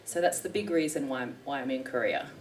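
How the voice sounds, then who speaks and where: Low-voiced woman. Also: fast, distant mic, slight background noise. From Australia. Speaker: guest, cartoonist. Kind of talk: casual chat on a radio panel. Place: radio studio stage with audience.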